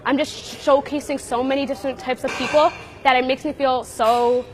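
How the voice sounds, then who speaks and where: A woman's voice: sits high, fairly even intonation, fairly quick, rough recording. A young woman who talks in a casual, chatty way and retells conversations. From United States. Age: young adult. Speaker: university student and runner.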